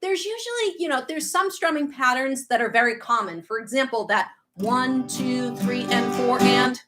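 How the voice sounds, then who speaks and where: Her voice sits high, a bit bright, with lively intonation as this thirtysomething guitar teacher with a faint Boston accent takes viewer questions on a livestream. She's chatty, reading out comments and adding quick asides.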